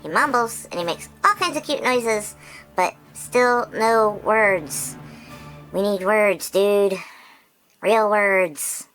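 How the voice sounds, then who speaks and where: A woman voicing an excitable, childlike male creature who hosts a chatty episode recap, bubbly and full of giggles and squeals. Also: mid-range voice, slow pace, soft background music, low-quality recording. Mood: excited recap. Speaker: recap host.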